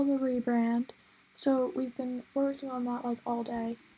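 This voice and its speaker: Over noticeable background noise, a woman talks quietly at a moderate pace in a high, monotone voice with flat intonation. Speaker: gaming YouTuber. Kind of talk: casual gameplay commentary. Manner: quiet, hushed.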